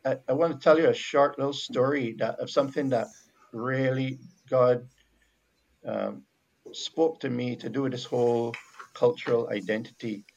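Here a missionary guest from Barbados talks casually about faith in a Bajan accent, pausing to reflect and frequently starting over. His mid-range voice is steady, creaky and a bit mellow, and the sound is lo-fi.

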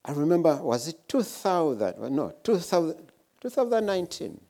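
A man preaching a sermon in short, emphatic phrases, pausing after each one for his interpreter. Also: fairly high pitch, very animated, gravelly, dark tone. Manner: emphatic, preaching in brief bursts with pauses. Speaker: guest preacher, former missionary.

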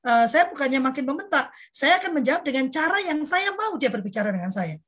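A woman moderating a discussion, explaining by acting out example dialogues and slowing on key points. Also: high-pitched, lively intonation, fairly bright tone. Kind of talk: discussion talk.

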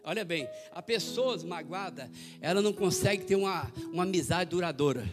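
A man's voice: high-pitched, lively intonation, brisk. A male pastor preaching an evangelical sermon in church, telling stories animatedly and acting out the voices of the people in them. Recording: sermon over live guitar music.

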